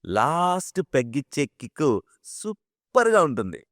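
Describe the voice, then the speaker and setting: A man's voice: fairly high pitch, big pitch swings, measured pace, a bit bright, no echo, clean studio sound. A man voicing an arrogant, drunk young male office bully in an audio drama, sneering, mocking and threatening.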